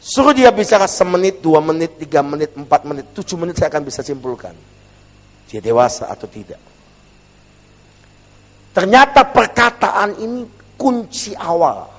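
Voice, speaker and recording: A male pastor preaching with a fairly high voice that swings widely in pitch. He is humorous and keeps calling out to his congregation. His voice carries a long reverb through the church. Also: very animated, normal speed, fairly bright tone. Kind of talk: sermon.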